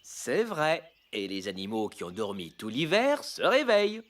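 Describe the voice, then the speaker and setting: Animated, kindly cartoon dad. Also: male voice, medium pitch, unhurried. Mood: encouraging. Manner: encouraging, gently explanatory, playful swoops. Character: kind, patient cartoon dad of a young boy.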